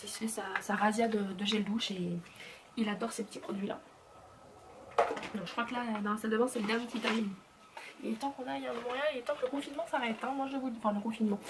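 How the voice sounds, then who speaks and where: A woman's voice: fairly high pitch, background noise. Chatty French-speaking woman vlogger. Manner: chatty, frequent fillers and restarts, drops to murmurs. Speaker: beauty vlogger. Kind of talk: casual chat.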